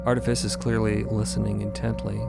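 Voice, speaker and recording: A man's voice: lowish voice, little pitch movement, brisk, vocal fry. A man narrating audio fiction in a dramatic storytelling style. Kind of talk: dramatic scripted-sounding storytelling. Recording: music behind the voice.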